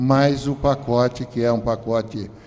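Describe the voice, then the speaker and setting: Noticeable background noise runs under the speech. The intonation stays fairly even. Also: man. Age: 60s. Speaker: city planning secretary, engineer. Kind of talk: testimony at council inquiry hearing.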